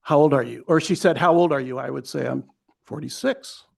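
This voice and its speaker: A man's voice: mid-range voice, brisk, gravelly. A man in his fifties from Hawaii, a pastor giving an earnest public comment at a county hearing, often restarting phrases and telling a short story along the way. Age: 50s.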